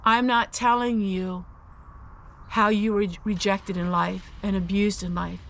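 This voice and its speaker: Speaking a little slowly with fairly even intonation, this woman hosts a faith-based vlog and offers her personal Christian testimony. She is earnest, confiding and emphatic as she encourages her audience, her mid-range voice fairly bright over slight background noise.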